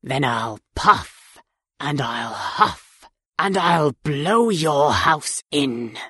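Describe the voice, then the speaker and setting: Here is a slow, low-pitched wolf who stretches out every threat, as a woman reader puts him on. He sounds menacing and sly. The recording is close and dry. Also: lively intonation, fairly bright tone, slightly rough, no room sound, heavily acted. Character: big bad male wolf, slow and menacing.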